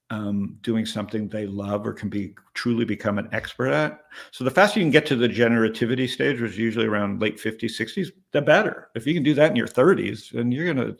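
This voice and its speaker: The speaker has a gravelly, mid-range voice and is in his late fifties. As a startup investor and guest in a relaxed interview, he speaks candidly, wanders from point to point, and often asks "right?"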